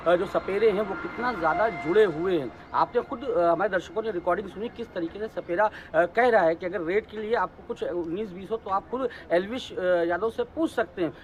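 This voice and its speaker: High-voiced male reporter over street noise. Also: poor audio. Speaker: field news reporter. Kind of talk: live explanatory news reporting. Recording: clear outdoor city traffic noise.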